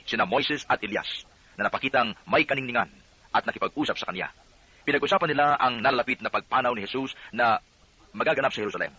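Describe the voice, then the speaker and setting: Brief: male scripture reader, quick and crisp, slightly husky tone, dull lo-fi sound. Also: medium pitch, no echo. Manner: steady, earnest reading voice. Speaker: Bible reader. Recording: dull lo-fi audio.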